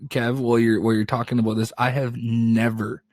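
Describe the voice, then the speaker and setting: A man's voice: mid-range voice, level tone, fairly quick, darkish tone, no echo, clean studio sound. A man guest on a casual podcast who asks questions and carefully rephrases his points. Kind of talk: casual chat.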